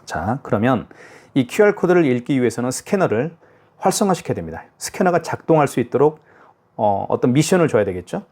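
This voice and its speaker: A man's voice: medium pitch, big pitch swings, fairly quick, a little mellow. A man giving a casual product tutorial, narrating each step aloud and checking in with the viewer. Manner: chatty, self-narrating each step, frequent "자" and "그죠?". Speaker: product demonstrator. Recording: faint hiss with device clicks.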